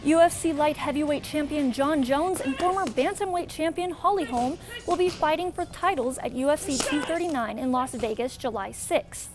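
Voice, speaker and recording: High-pitched American woman anchoring sports news. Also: normal speed, few pauses, music in the background. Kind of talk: scripted sports newscast narration.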